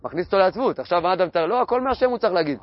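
A man giving a Torah lesson, asking questions and answering them himself, and repeating key phrases in a steady teaching cadence. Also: high-pitched, no echo, lo-fi sound. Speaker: religious teacher.

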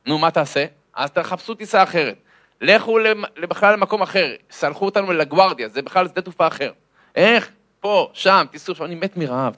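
A man, a lecturer, telling a comic story to an audience and acting out the voices and sounds in it. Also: mid-range voice.

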